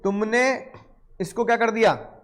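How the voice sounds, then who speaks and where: A man with a fairly high voice teaches a law lecture, firing questions at the class. He slips into quick acted exchanges between buyer and seller to make the point. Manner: lively, questions the class and acts out little dialogues.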